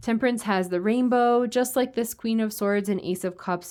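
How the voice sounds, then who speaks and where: A woman with a normal speaking voice talks at a moderate pace, her pitch varying in an ordinary way. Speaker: tarot reader. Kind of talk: tarot reading monologue. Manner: filler-heavy, casual.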